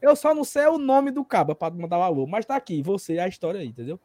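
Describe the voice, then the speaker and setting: A man with a Ceará accent co-hosting a live stream, telling stories in a lively, chatty way. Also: high-pitched, quick pace. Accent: Northeastern Brazilian, Ceará. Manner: animated storyteller. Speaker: live show co-host. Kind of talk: casual chat and anecdote telling.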